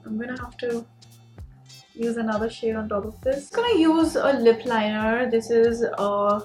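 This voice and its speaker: A woman's voice: on the high side, moderate pace, a little mellow. A young woman with an Indian Punjabi accent chatting casually and candidly as a beauty vlogger answering questions. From Mumbai, India. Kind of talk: casual chatty Q&A while doing makeup. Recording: roomy echo, music behind.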